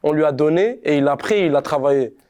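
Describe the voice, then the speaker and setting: A man's voice: on the high side, quick pace, a little mellow. Laid-back young man rapper, slangy. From Montreal, Canada. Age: young adult. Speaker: rapper being interviewed. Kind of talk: casual interview chat.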